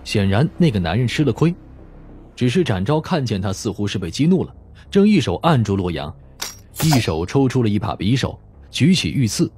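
A man's voice: fairly low pitch, sing-song, normal speed, darkish tone, slight background noise. A man reading a dramatic scripted audiobook narration.

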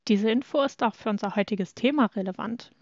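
A woman in her twenties from Germany, co-hosting a casual podcast and talking about her clothing style in a measured way. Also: on the high side, a little mellow, no room sound, highs cut off. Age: 20s. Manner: reads content notes in a measured way. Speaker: podcast co-host.

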